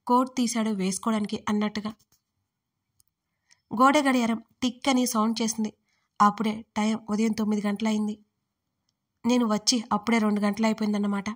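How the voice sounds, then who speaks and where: A woman narrating a romantic story in the first person, in an expressive, conversational way. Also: medium pitch, a little fast, long pauses.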